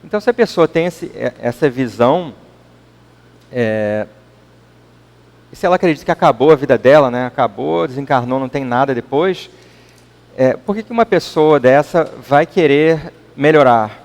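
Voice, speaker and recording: A man's voice: mid-range voice, normal speed, darkish tone. A man with a Brazilian accent giving an informal public talk at a spiritist center, speaking conversationally and often tagging his sentences with a questioning "right?". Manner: conversational, keeps adding questioning tags. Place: meeting hall. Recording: long reverb in a hall.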